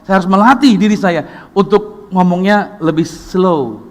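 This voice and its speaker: A middle-aged man from Ambon with an Ambonese Indonesian accent, preaching a lively, emphatic sermon that asks the congregation questions and answers them. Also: high voice, unhurried. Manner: lively, emphatic, rising to loud bursts. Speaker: pastor. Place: large church hall. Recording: long church reverb.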